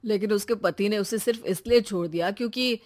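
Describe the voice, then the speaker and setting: A woman voicing a trusting young brother in a cartoon who talks softly and earnestly. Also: mid-range voice, brisk, lightly acted.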